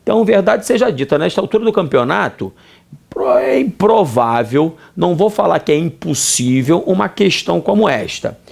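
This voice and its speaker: A middle-aged Brazilian man teaching grammar in a video lesson, lively, asking himself questions in a student's voice and answering them. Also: sits high, moderate pace, vocal fry. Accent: Brazilian Portuguese.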